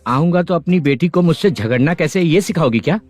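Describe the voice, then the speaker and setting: A sarcastic, grumbling son-in-law voiced by a man for a dubbed film, a little high-pitched. Faint film music sits beneath. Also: expressive, fairly quick, darkish tone, close to an everyday voice. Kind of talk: Hindi film dubbing.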